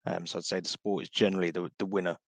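A hoarse man with a low, gravelly voice rambles through his thoughts on a podcast panel, with plenty of fillers and restarts. The sound is dry and close. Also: level tone, rapid-fire, no echo. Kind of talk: casual chat.

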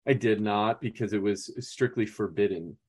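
A man's voice: on the low side, moderate pace, a little mellow, slightly rough. A man co-hosting a youth basketball podcast, telling stories casually and rambling, with fillers and quoted asides. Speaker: podcast co-host, basketball coach. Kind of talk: casual storytelling chat.

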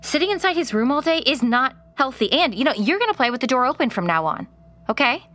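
A woman's voice: high voice, big pitch swings, quick pace, fairly bright tone, soft background music. A woman playing a firm, caring mother. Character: worried mother, firm but kind.

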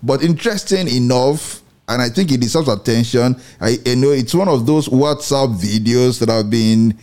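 On his Christian radio commentary program, a middle-aged host frequently repeats himself while talking in a measured, earnest fashion. The voice sits at a medium pitch and sounds a little mellow.

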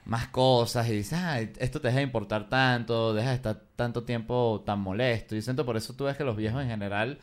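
A man's voice: mid-range voice, fairly even intonation, brisk, hardly any pauses. Venezuelan man in casual podcast chat. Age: 30s. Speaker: podcast participant. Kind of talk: casual chat among friends.

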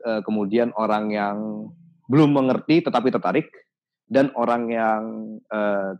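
A man in a casual podcast chat, explaining his advice thoughtfully with many pauses and restarts. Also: on the low side, lo-fi sound. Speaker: podcast guest.

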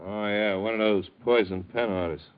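An actor doing a gruff, surly racketeer. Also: male voice, on the low side, steady tone, moderate pace, natural voice. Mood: curt. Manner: gruff, curt. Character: surly, menacing male racketeer. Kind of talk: 1950s radio drama acting. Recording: dull old radio broadcast.

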